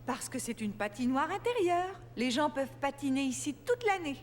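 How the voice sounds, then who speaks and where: A woman voicing a gentle, patient mother in a children's cartoon, speaking in a reassuring, clearly enunciated way. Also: high-pitched, big pitch swings, normal speed, a little hiss or hum.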